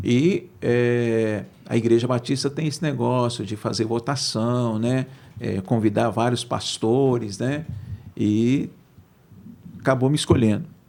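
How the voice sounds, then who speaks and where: A man with a dark, mellow tone speaks very slowly, with ordinary pitch variation. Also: medium pitch for a man. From Brazil, Espírito Santo (Vitória). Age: 50s. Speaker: pastor. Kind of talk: casual chat.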